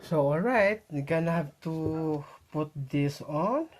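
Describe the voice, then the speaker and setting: A man with a Filipino accent talks casually to viewers in an unboxing vlog, halting and repeating himself as he thinks aloud. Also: on the high side, animated. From Philippines. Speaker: vlogger. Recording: noisy home recording with clicks.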